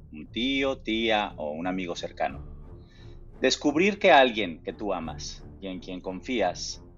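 A man hosting a podcast interview, speaking hesitantly and filling pauses with "eh". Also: sits low. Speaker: podcast host. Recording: dull lo-fi with faint music.

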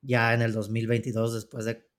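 A man in his forties from Tijuana with a northern Mexican Spanish accent, a psychotherapist telling his story in an interview in a calm, steady, reflective way. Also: mid-range voice, normal speed. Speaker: psychotherapist guest. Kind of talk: personal account in an interview.

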